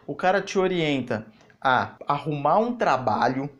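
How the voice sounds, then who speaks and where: A man's voice: on the high side, expressive, measured pace, fairly bright tone, muffled recording. A man with a Brazilian Portuguese accent, hosting his own channel and giving casual, opinionated commentary in reply to comments, talking emphatically and conversationally. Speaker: channel host answering comments.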